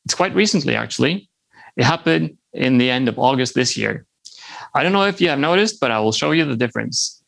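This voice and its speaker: A man's voice: mid-range voice, creaky, a bit bright. A man in his thirties from Norway, whose first language is Norwegian, giving a friendly conference talk with light humor. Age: 30s. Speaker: software developer presenting. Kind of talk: conference presentation.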